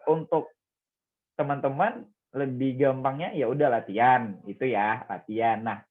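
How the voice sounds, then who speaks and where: A young man, a radio and TV presenter, explaining speaking tips in an online discussion and acting out examples with big jumps in pitch. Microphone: video call. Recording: tinny phone-like call audio.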